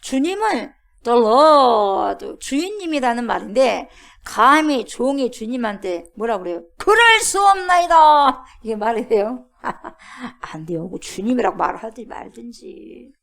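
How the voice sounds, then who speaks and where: High-pitched lady pastor preaching, keeps asking the congregation stuff, acts out quotes loud. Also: expressive, unhurried, creaky. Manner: questioning the congregation, dramatic quoted exclamations. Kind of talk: sermon.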